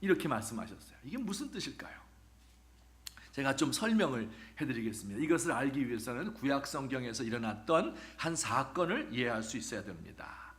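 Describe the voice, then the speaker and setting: Male pastor, lively sermon delivery, bright tone, rhetorical questions, humorous asides. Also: medium pitch, brisk. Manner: animated storytelling with rhetorical questions to the congregation; acts out quoted voices, drops to a hushed near-whisper at times.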